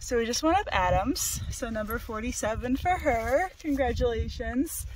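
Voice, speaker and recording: A woman's voice: animated, moderate pace, darkish tone, rough recording. Young woman vlogging on a mountain trail. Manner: chatty, talks to her dog in a high sing-song. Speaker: hiking vlogger. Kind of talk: casual vlog with voice-over narration. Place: outdoors on a windy mountain trail. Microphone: camera held at arm's length.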